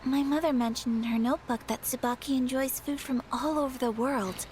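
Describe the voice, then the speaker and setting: A woman voicing a gentle, polite noble girl. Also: high-pitched, steady tone, a little fast, a little hiss or hum, close to an everyday voice. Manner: soft-spoken, formal, apologetic. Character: young noble lady, polite and composed. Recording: game audio with music behind.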